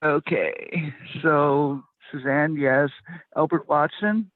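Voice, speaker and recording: A man's voice: on the high side, fairly even intonation, takes it slowly, no room sound. A man chairing a board meeting, calling a roll-call vote in an orderly way. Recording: tinny phone-line audio.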